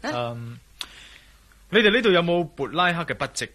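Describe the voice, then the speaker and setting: A man playing a calm, decisive adventurer hero in a Cantonese radio play, talking in a terse, businesslike way. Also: fairly high pitch, normal speed. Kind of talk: radio drama acting.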